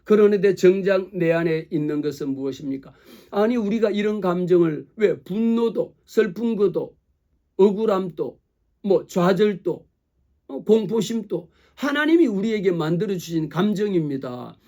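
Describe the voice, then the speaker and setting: Male pastor, sermon. Lively preaching to the congregation, high and mellow voice. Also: normal speed. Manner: animated preaching, acts out quoted voices; speaks directly to the congregation with rhetorical questions.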